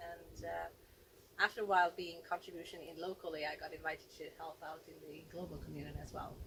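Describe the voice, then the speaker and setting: A woman speaks with a Swedish accent. Her pace is fairly quick. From Sweden. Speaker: tech entrepreneur. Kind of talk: interview.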